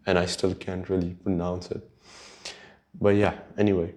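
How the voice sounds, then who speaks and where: A man with an Urdu-influenced South Asian accent chatting casually as a solo podcast host, rambling in a halting, sweary way. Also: low voice, flat delivery, dark tone.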